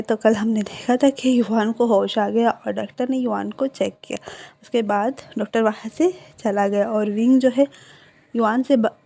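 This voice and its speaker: A woman retells a fan story in a loose, chatty way, with fillers and quick self-corrections. Her voice sits a little high but sounds mellow and soft. A sore throat gives it a hoarse edge. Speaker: storyteller and channel host.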